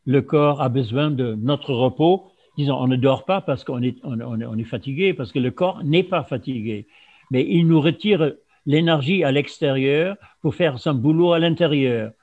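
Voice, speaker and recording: A man from Germany whose first language is German, giving an informal talk with many pauses and restarts. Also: medium pitch, darkish tone. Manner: halting, many fillers and restarts. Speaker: speaker on fasting. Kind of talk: informal lecture to an audience. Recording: dull lo-fi sound.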